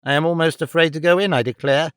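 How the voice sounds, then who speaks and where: A man's voice: a little high, quick pace, smooth, no room sound, studio quality, lightly acted. A man voicing a panicky old miserly moneylender who shrieks and wails. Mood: fretful. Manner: shrieking, wailing.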